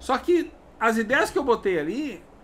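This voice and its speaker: A man speaks at an extremely high pitch with very wide pitch swings. His pace is fairly slow. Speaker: spiritist study group leader. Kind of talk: online study group discussion.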